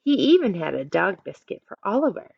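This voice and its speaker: A woman's voice: medium pitch, sing-song, fairly quick, vocal fry, husky, no echo, lo-fi sound. A woman teacher reading a picture book aloud expressively, adding instructive asides and questions for listeners.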